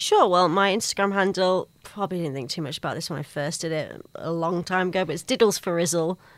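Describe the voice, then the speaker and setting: Talking at a fairly quick pace with hardly any pauses, a woman with an English accent uses a fairly low pitch and ordinary pitch variation. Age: 30s. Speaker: head of nutrition at a fitness company. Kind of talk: interview.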